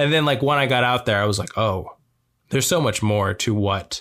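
A man's medium-pitched, unremarkable speaking voice with an American accent and ordinary pitch variation. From Southeast Ohio, US. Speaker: documentary filmmaker and photojournalist. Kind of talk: casual interview.

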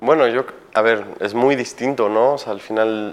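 A man with an ordinary speaking voice talks at a fairly slow pace, his medium pitch showing ordinary variation. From Mexico. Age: 20s. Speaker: film and music video director. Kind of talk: interview.

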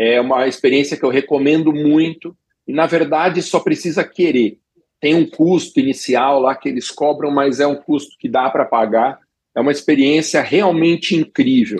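He has a normal speaking voice, fairly high for a man, with ordinary pitch variation and a moderate pace. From Guarulhos, Greater São Paulo, Brazil. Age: 40s. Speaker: law professor. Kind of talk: interview.

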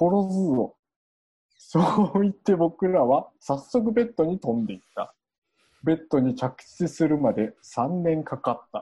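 The voice has a dark, mellow tone and moves at a fairly slow pace. Its pitch swings very widely. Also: man. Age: 30s. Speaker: artist based in New York. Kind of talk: casual chat.

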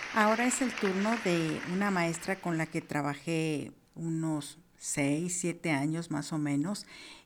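In a very clean recording with a silent background, a woman speaks very slowly in a fairly low pitch with ordinary pitch variation. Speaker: podcast host, preschool teacher and educational advisor. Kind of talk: casual chat. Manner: animated.

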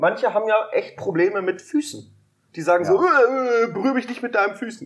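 A man speaks at a moderate pace with very wide swings in pitch. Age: 30s. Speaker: podcast co-host, cafe owner. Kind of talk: casual chat. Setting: in a cafe.

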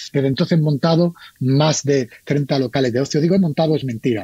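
A man with a fairly high pitch speaks at a fairly quick pace in a somewhat breathy voice, the sound dry and close with no echo. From Spain. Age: 50s. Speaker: entrepreneur. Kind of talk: interview. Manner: animated.

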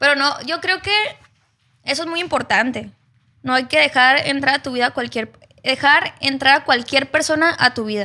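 A woman speaks in a raised, projected voice with a bright, sharp tone, her pitch high and its variation ordinary, moving at a moderate pace broken by long, frequent pauses. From Mazatlán, Sinaloa, Mexico. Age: 20s. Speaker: influencer / youtuber. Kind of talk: casual interview chat. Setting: studio.

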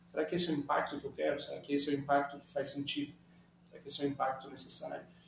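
A man speaks very fast at a fairly high pitch in a monotone, flat intonation. His loudness swings widely against noticeable background noise. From Florianópolis, southern Brazil. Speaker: social impact innovation professional. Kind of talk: casual interview conversation. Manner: halting, many repetitions.

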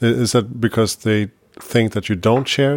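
This man speaks with a Swedish accent at a moderate pace. His pitch varies in an ordinary way. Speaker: podcast host. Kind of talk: interview. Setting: on location at guest's office.

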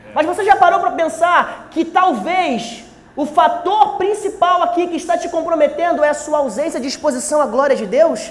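A man speaks at an extremely high pitch and a moderate pace, with ordinary pitch variation and hardly any pauses, over noticeable background noise and audible room echo. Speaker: pastor. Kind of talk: sermon. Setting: church. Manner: animated.

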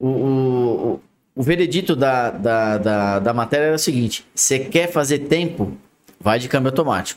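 A man with an unremarkable speaking voice talks at a medium pitch, moving at a moderate pace with ordinary pitch variation. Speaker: podcast co-host. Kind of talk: casual chat.

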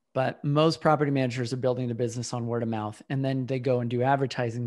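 Against a quiet background, a man speaks at a medium pitch with fairly even intonation, a normal speaking voice. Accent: American. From Utah. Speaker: business coach for property managers. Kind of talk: interview.

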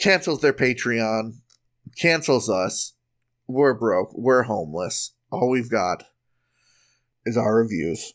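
Speaking with an American accent, a man of medium pitch uses lively intonation at a very slow pace with long, frequent pauses, in a very clean recording with a silent background. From US Upper Midwest. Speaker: comedy podcast host. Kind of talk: casual comedic chat.

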